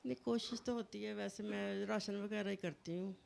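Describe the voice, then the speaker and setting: A woman calling in for spiritual advice, answering softly, mostly with brief affirmations. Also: mid-range voice, steady tone, normal speed, creaky. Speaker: caller seeking advice.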